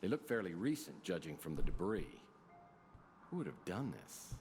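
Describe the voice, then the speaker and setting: An actor playing a weary, wry middle-aged private detective in a noir adventure game, with a dry wisecracking delivery and music behind him. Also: male voice, low-pitched, sing-song, moderate pace, darkish tone, breathy edge, exaggerated voice. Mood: puzzled, wry.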